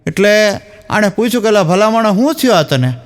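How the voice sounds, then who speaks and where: A man's voice: high voice, lively intonation, brisk. A man telling a string of jokes on stage, acting out the lines of each character as he goes. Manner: storytelling, acting out dialogue. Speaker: stand-up comedian. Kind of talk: telling jokes to a live audience.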